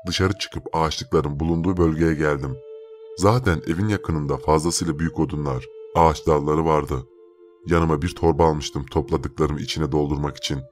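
A man with an extremely deep voice narrates a first-person horror tale. His telling is steady and measured. Faint music sits quietly behind him.

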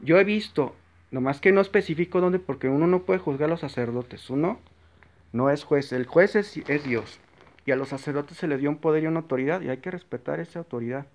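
A man with a Mexican accent giving a blunt, forceful, rambling monologue about his faith, with frequent restarts. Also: a little high, brisk. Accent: Mexican Spanish. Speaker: Catholic video maker. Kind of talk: informal religious monologue. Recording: slightly dull, lo-fi recording.

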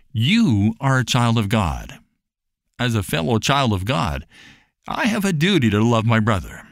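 A man's voice: medium pitch, vocal fry, fairly bright tone, dry recording, clean studio sound, exaggerated voice. A man voicing a kindly, devout fair owner in a storybook, speaking in an earnest, preaching, emphatic way. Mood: earnest, affectionate.

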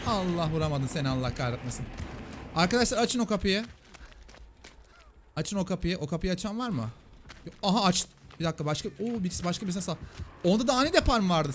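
A man with a high voice commenting on a game at a rapid clip. He fires off short urgings to teammates again and again, and the recording carries clear game noise underneath. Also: expressive. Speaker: gaming streamer. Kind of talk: excited Let's Play commentary. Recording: noisy game audio underneath.

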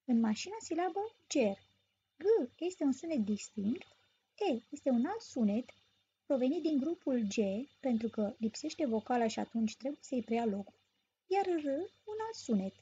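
A woman teaching a grammar lesson as a story, explaining clearly and patiently. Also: high voice, sing-song, dark tone. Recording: dull lo-fi recording.

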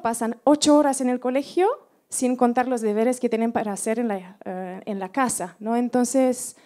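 A woman's voice: high voice, dark tone. A woman speaking spontaneously from the audience at a public talk, putting a concern as a parent. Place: auditorium.

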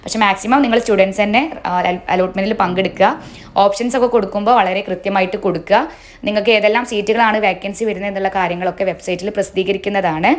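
A woman giving an informational update in a voice-over, brisk and instructive, with frequent filler sounds. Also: mid-range voice, fairly even intonation. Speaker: education vlogger. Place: voice-over, not seen.

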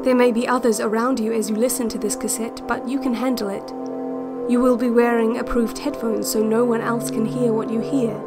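An actress playing a calm, controlling narrator of a relaxation cassette in an audio drama, speaking in measured, deliberate phrases. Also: female voice, on the high side, close to an everyday voice. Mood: calm, instructive. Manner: measured, hushed guidance with deliberate pauses. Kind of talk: scripted guided-visualisation audio drama. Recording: voice over loud ambient music. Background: ambient new-age music.

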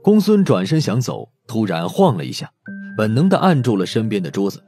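Expressive male story narrator over music. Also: fairly low pitch, fairly quick. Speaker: audiobook narrator. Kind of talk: scripted dramatic story narration. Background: background music.

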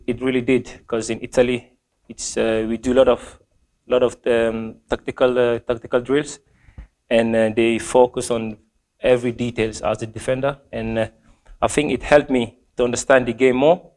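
Hesitant young man, flat low-key voice. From Gambia. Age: young adult. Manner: hesitant, many ums and restarts. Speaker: football player. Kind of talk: reading fan questions and answering. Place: small plain indoor room.

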